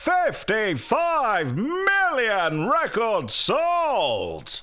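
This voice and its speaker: This man puts on a character voice, raised and projected, at an extremely high pitch. He speaks at a very slow pace. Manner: big, dramatic.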